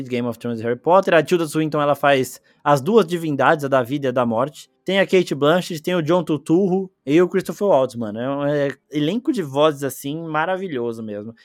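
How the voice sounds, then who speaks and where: A young Brazilian man hosting a podcast, chatting casually and excitedly about a film, full of slang and exclamations. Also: mid-range voice, no echo, studio quality. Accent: Brazilian Portuguese. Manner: animated, slangy, exclaims often. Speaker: podcast host. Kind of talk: casual film review chat.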